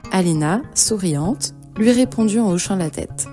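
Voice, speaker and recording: A woman's voice: mid-range voice, lively intonation, unhurried, dark tone. A woman reading a scripted fairy tale as storyteller, telling it in the third person. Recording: music behind the voice. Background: background music.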